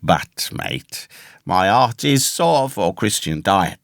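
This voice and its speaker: A man voicing a ragged, pious, half-crazed castaway sailor with a hoarse, awkward voice and rambling rustic seaman's talk, in a storybook reading. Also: low-pitched, sing-song, slow, dry recording, clean studio sound, full character voice. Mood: wistful.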